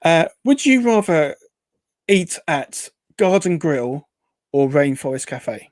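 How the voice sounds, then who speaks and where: A man's voice: a little high, very animated, slow, a little mellow, no echo. A man hosting a casual interview, hesitant and rambling, who says w for r. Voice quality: weak r sounds, says w for r. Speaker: host.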